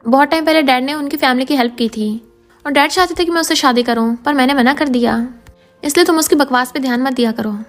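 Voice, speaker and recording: A woman reading the lines of a jealous, possessive young man in a fast, high voice. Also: soft background music, lightly acted. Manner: possessive, pleading.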